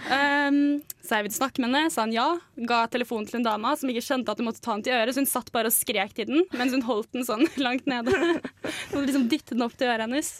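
Chatting casually as a radio co-host in the studio, a young woman tells a story, laughing frequently and leaning on lots of fillers. Her voice is a little high, with no room sound.

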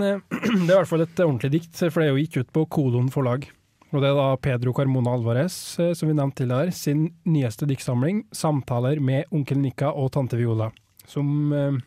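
Hesitant man with a mellow voice. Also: fairly high pitch, no echo. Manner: hesitant, many fillers. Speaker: book reviewer on a radio show. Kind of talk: casual radio chat and poem reading.

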